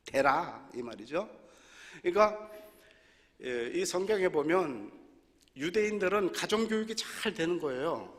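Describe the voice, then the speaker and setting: A man's voice: a little high, very animated, a little slow, pauses often, fairly bright tone. A man in his sixties preaching a sermon in a church, telling stories animatedly with laughs and acted-out voices. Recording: long hall reverb.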